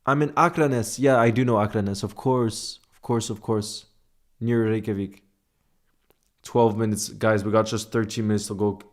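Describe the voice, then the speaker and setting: A man's voice: fairly low pitch, steady tone, normal speed. A man hosting a casual football livestream, reading out viewer comments and answering them informally, often repeating phrases for emphasis. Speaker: livestream host, football fan streamer.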